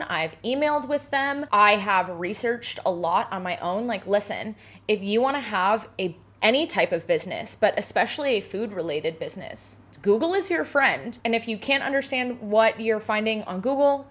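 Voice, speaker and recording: A woman's voice: mid-range voice, lively intonation, normal speed, fairly bright tone. A woman in her thirties from Southern California with a Southern Californian accent, answering viewer questions in a casual, self-deprecating vlog full of "like". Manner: chatty, self-deprecating, filler-heavy with frequent "like". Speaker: home baker and vlogger.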